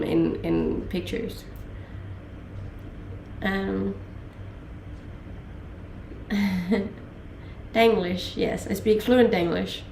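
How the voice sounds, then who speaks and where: A young woman from Denmark with a mixed Danish and Australian accent, chatting casually with stream viewers, relaxed and laughing, a little under the weather. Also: on the low side, vocal fry, reverberant, a little hiss or hum. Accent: Danish-Australian mix. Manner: relaxed, laughing, many fillers. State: a little sick. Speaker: livestreamer. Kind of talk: casual chat reading viewer questions.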